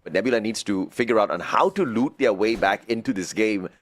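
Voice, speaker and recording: A man's voice: on the low side, fairly quick. A man working as an esports caster, giving live play-by-play commentary on game action. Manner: esports caster delivery, narrating the action with exclamations.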